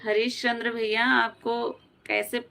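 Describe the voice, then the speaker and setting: A woman from Uttar Pradesh chats through her live stream, greeting viewers by name and answering their comments one after another. Her voice sits a little high and sounds bright. She keeps a fairly even, level delivery as she talks. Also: slow pace, gravelly. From Uttar Pradesh, India. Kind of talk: casual live chat reading viewer comments.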